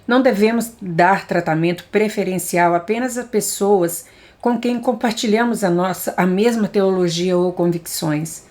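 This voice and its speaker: A woman's voice: medium pitch, moderate pace, a little mellow. A Brazilian woman reading a Christian book aloud in the manner of an audiobook. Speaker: audiobook reader.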